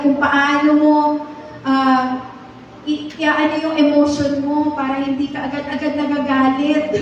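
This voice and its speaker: A high-voiced woman gives a Bible lesson, often turning questions to the congregation. She stands away from the microphone in a hall full of echo. The sound is dull and muffled, with a faint hiss behind her. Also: far from the mic. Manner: teaching, with frequent questions to the congregation. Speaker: church Bible teacher. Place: church hall.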